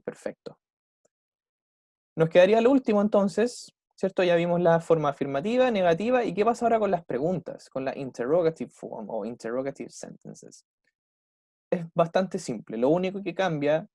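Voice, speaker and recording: A male English teacher with a Chilean Spanish accent, speaking in a slightly raised voice. He explains patiently, repeats each example sentence slowly, and keeps checking in with his students. The sound is dry and close, with no room echo. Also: fairly high pitch, a little mellow. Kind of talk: online class explanation.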